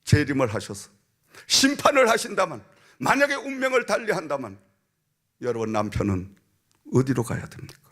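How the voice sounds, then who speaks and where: Man, pastor, church sermon, storytelling, slightly high voice, rising to loud emphatic peaks. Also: huge pitch swings, normal speed, long pauses. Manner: storytelling preacher, acts out a child's and a minister's voices, frequent "응?" and "아멘". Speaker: senior pastor. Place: church sanctuary.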